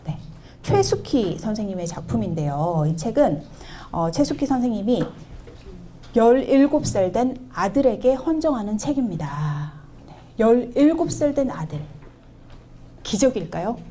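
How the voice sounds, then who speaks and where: Lively woman lecturing parents. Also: fairly high pitch, normal speed, slight background noise. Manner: lively, asks the audience questions, acts out quotes. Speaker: picture book lecturer. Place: community event hall.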